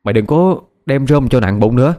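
A man voicing an exasperated young man who scolds his best friend loudly. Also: medium pitch, animated, brisk, voice pushed up, close to an everyday voice.

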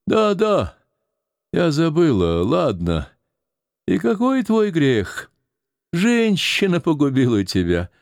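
A man reading an audiobook voices a grieving 86-year-old nurse who laments and scolds in a high, quavering voice. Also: lively intonation, slow pace, a little mellow, no echo, studio quality. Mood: rambling. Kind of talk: audiobook character voice.

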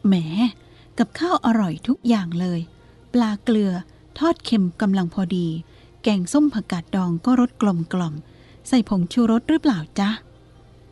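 A woman's voice: mid-range voice, animated, moderate pace, dark tone, breathy edge. A woman voicing a curious, genteel upper-class minister's wife in a storybook reading, asking questions in a sweet, slightly condescending way.

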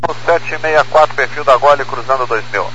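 A man's voice: medium pitch, moderate pace, sharp tone. A Brazilian man, an airline pilot, speaking over the aircraft radio in clipped, routine radio phrasing. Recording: muffled radio transmission with static.

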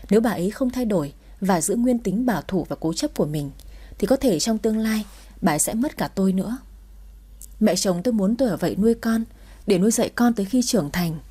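Mellow, husky woman narrator in her twenties. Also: medium pitch. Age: 20s. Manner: sorrowful, reflective. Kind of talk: first-person story narration.

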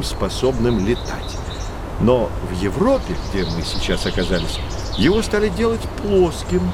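An actor playing a patient professor who calmly explains things to children in a scripted educational audio drama. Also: male voice, medium pitch, background noise, close to an everyday voice. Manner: calm, explanatory. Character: patient, knowledgeable male professor. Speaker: explaining guide in an audio encyclopedia.

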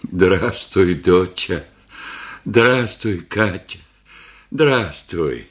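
A man's voice: sits low, animated, full character voice. An actor playing a humble, devout old village father in a radio drama, speaking hesitantly with folksy speech. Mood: moved, greeting. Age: older. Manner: hesitant, folksy rustic speech with halting fillers. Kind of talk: naturalistic stage-style radio drama acting.

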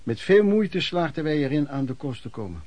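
An actor playing an older, plain-spoken former street vendor and vagrant who reminisces in a radio play, wordy and folksy with quaint old-fashioned phrasing. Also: male voice, on the high side, sing-song, normal speed, darkish tone, dry recording. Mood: nostalgic. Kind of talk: radio play monologue in interview form.

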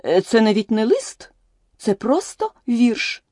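A woman voicing a fussy, anxious male white rabbit herald in an audiobook, eager and hurried. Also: a little high, big pitch swings, warm tone, no room sound, clean studio sound, pitched above the performer's own voice, heavily acted. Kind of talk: audiobook character voice.

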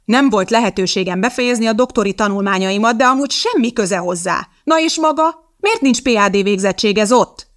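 A woman's voice: medium pitch, few pauses, dry recording, studio quality, pitched above the performer's own voice, close to an everyday voice. Woman reading as a sneering female personnel officer. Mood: scornful. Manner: mocking, needling.

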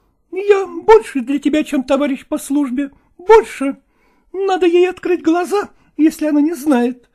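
Brief: male reader putting on a high, indignant young woman, pleading, tearful edge. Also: unhurried, warm tone. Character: wounded mistress, young woman, tearful and defiant. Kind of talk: audiobook reading of a classic novel.

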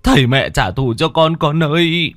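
A man's voice: fairly high pitch, animated, moderate pace, a bit bright, no room sound, clean studio sound, faint music behind, voice pushed up. A man voicing a grieving father earnestly pleading with his dead child's spirit.

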